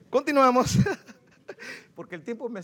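A man preaching a sermon as pastor, animated and laughing between points, often checking in with the congregation. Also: sits high. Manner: animated, tags phrases with questions to the congregation.

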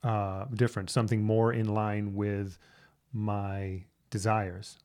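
A woman in her fifties in casual conversation, playful and quick to laugh at her own jokes. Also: rumbling low, level tone, dark tone. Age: 50s.

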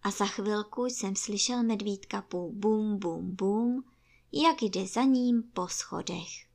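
A woman reads a children's book aloud in a calm, gentle storytelling voice. Her middling pitch has a gravelly, creaky texture.

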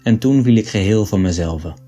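Male narrator with a dark, warm voice for a measured reading of an old text, soft music underneath. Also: lowish voice, expressive. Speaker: reader of an old book. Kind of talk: scripted narration of an 18th-century text.

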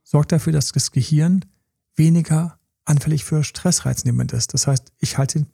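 Gravelly and slightly rough, his voice sits a little high and moves at a moderate pace. As a podcast co-host, he gives colloquial relationship coaching, animatedly performing small quoted scenes. The sound is clean studio audio with no room tone.

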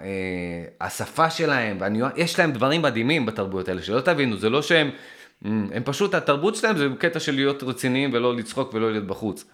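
A man from Israel talking straight to his viewers in a loose, thinking-aloud monologue. His voice is bright and forward at an ordinary middle pitch. He trails off and restarts often, then pushes his points with animated emphasis. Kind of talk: casual rambling monologue.

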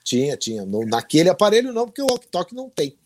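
A man's voice: sits high, rapid-fire, a loud crowd. A middle-aged man from Rio do Sul, a veteran sports reporter telling stories as a guest and acting out the voices he quotes. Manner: animated anecdotal storyteller who acts out quoted voices. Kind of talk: casual storytelling interview.

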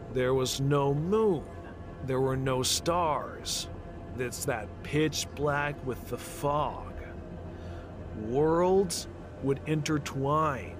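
An actor playing a casual, slangy man telling a spooky story in an audio drama, with dramatic pauses. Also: on the high side.

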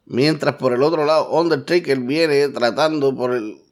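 A man's voice: medium pitch, normal speed. A man doing blow-by-blow wrestling commentary, repeating phrases for emphasis.

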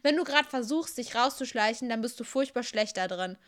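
A woman reading out the lines of a snappy, sharp-tongued young woman in a story game. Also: a little high, animated, a little fast.

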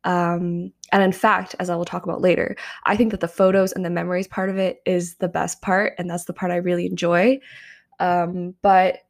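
Young woman with a creaky, chatty voice. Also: fairly low pitch, little pitch movement, moderate pace. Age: young adult. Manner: casual and chatty, frequent ums. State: slightly strained voice after karaoke. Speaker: podcast host. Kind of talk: solo podcast monologue.

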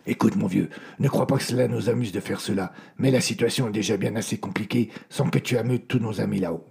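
A weathered old sailor speaks calmly and wryly, as a man puts him on in a slightly raised, gravelly, breathy voice. He sounds like a figure in a spoken audio story. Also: lowish voice, fast, heavily acted. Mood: reassuring. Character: old, steady, wry male sailor.

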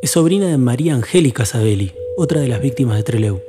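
A man narrating a personal story in a measured, reflective way. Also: medium pitch, lively intonation, background noise. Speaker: podcast narrator. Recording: narration over background music.

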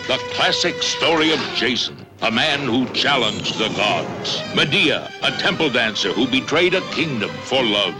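A man's voice: medium pitch, very animated, unhurried, hardly any pauses, music in the background. A man narrating a 1960s film trailer in a grandiose, emphatic, dramatic style. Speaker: movie trailer announcer.

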